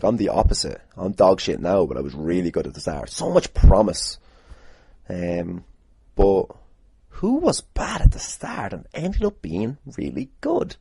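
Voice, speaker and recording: Deep, husky man, chatting casually. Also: warm tone, no room sound. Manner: rambling, sweary, jokingly boastful. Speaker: podcast host and wrestler. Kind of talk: casual solo podcast chat answering listener questions.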